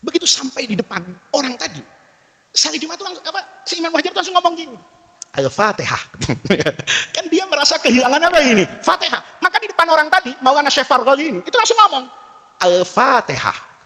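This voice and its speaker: Penceramah pria bersemangat, nada tinggi lincah. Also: male voice, racing, long reverb tail. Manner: animated storyteller, acts out characters with lower voices. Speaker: preacher. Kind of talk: sermon storytelling.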